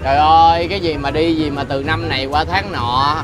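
A man's voice: on the high side, fairly even intonation, close to an everyday voice. An actor playing a flamboyant, sassy young gay man who teases and snaps back in a comedic web drama. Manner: sassy, teasing, quick-talking. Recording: background music under the dialogue.

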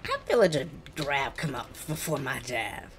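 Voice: medium pitch, sing-song, normal speed. A gaming streamer with an African American accent, giving casual, colloquial gameplay commentary and reacting as they play. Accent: African American English.

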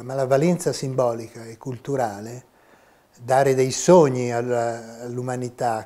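Un professore universitario sulla sessantina, che risponde a un'intervista in modo pacato e didattico, registrato con un microfono a clip in un piccolo ufficio. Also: male voice, medium pitch, a little mellow. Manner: measured, explanatory, gesturing with his hands. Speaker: history of science professor. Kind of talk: interview answers. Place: small university office. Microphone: lapel mic.

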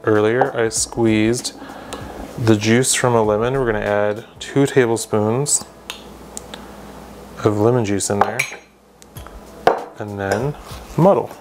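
A young man with a lowish voice walks viewers through a recipe in his home kitchen. He speaks straight to the camera and slips in dry, deadpan jokes between the steps. Soft music plays faintly behind him. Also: takes it slowly, pauses often. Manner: deadpan joking asides to the viewer. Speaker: cooking show host. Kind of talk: scripted cooking demonstration.

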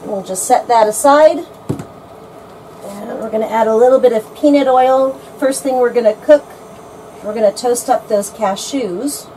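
A woman in her forties shows how to cook a dish in a motor home kitchen, explaining each step in plain words. Her voice sits a little high, picked up from across the small room by the camera with a faint hiss. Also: normal speed, dark tone, low-quality recording. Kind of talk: casual cooking demo. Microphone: camera mic from across the room.

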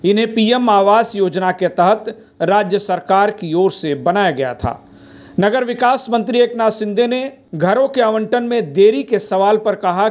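High-pitched male news reporter voice-over. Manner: steady, formal narration.

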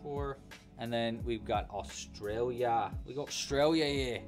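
A man's voice: medium pitch, measured pace, over music. Chatty young man hosting a crochet stream. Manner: chatty, counts stitches aloud, thanks donors. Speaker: crochet livestream host. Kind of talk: casual livestream crochet tutorial.

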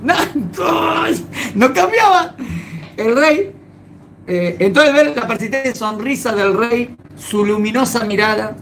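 A woman's voice: fairly high pitch, a little slow, slight background noise. A woman telling a moral folk tale in a casual way, laughing and restarting as she goes. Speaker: storyteller. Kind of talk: casual oral storytelling with a moral.

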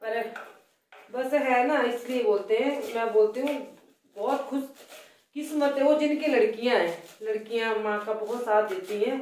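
A middle-aged woman with a Himachali Hindi accent, chatting loudly and complaining a little as she cooks in her home kitchen for her vlog. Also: a little high, normal speed, slight background noise. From Himachal Pradesh, India. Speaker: cooking vlogger. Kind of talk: casual cooking vlog chat. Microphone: phone placed away from her. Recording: roomy phone audio from a distance.

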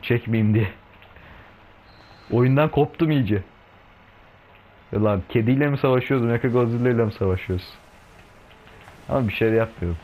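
A man's voice: medium pitch, fairly quick, long pauses, a little mellow. A young man giving casual let's-play commentary at home, slangy and bantering with the game's monsters and his cat. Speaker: gaming video host.

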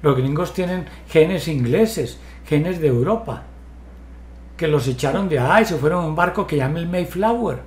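A man's voice: fairly high pitch, animated, moderate pace, darkish tone. A man in his sixties leading an online hypnotherapy session from his home study, asking pointed questions and lecturing in a direct, questioning way. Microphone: video call. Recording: roomy video call audio.

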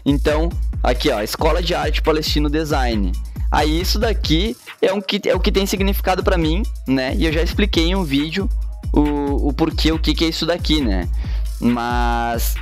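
A man's voice: fairly high pitch, normal speed, faint music behind. A man in his thirties with a gaúcho Brazilian accent, chatting casually and slangily on a live stream while he draws. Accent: gaúcho Brazilian Portuguese. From Rio Grande do Sul, Brazil. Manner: slangy and laid-back, constant filler tags. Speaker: graphic designer and streamer. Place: home studio room indoors. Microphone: headset.

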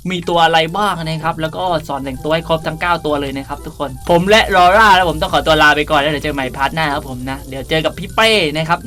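This video creator and host has a fairly high-pitched, sharp voice, and he chats politely through a casual game tutorial while frequently speaking to his viewers. Music can be heard in the background of the recording.

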